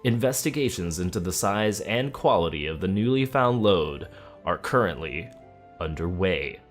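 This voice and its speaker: A man's voice: deep voice, expressive, normal speed. A man doing game commentary for a let's play, reading in-game text and talking through his choices. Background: game music.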